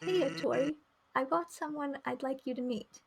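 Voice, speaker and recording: A woman plays a laid-back male skeleton from a game, with a creaky, high-set voice. He is casual and teasing, yet reassuring. There is faint noise on the recording. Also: moderate pace.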